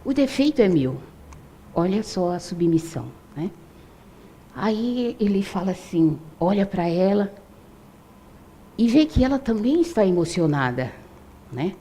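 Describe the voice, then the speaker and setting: A woman's voice: mid-range voice, sing-song, a little slow, long pauses, warm tone, a little hiss or hum. An older woman telling a true story to an audience in a conversational way, with frequent tag questions.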